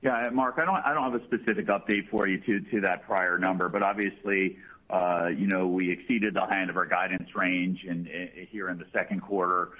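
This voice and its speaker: Low voiced exec guy on an earnings call, kinda halting, muffled conference line. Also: fairly even intonation. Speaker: company executive answering analysts.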